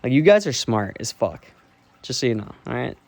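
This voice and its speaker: A man's voice: mid-range voice, sing-song, moderate pace, gravelly, a little mellow, no echo. Candid young man rambling into a phone. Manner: candid and rambling, heavy swearing and fillers. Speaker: streamer. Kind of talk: casual rambling monologue. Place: dark basement. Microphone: phone held while walking.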